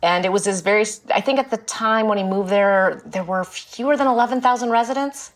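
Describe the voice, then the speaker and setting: A woman's voice: medium pitch, fairly quick. A woman in her forties, born in India and raised in Illinois, talking frankly and chattily as an author guest. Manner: chatty, frank and explanatory, with light laughs. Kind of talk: casual interview conversation.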